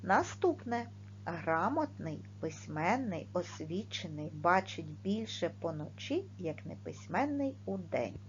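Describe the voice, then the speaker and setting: Woman, teacher, children's video lesson, slow, careful stressed speech, lively pitch, dull lo-fi sound, faint hum. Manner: slow, clearly articulated, stressing words and sounds. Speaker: primary school teacher.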